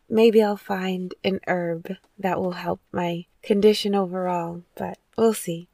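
A woman's voice: mid-range voice, dark tone, no room sound, studio quality. A woman hosting an educational podcast, reading scripted narration while sitting in a parked car on a rainy night. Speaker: podcast host. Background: possible rain tapping on car windows.

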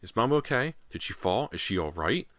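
A man's voice: lowish voice, sing-song, moderate pace, fairly bright tone, dry recording, voice pushed up. Man as a trembling, worried girl. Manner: trembling, choked. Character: worried, shaken girl pleading with her parents.

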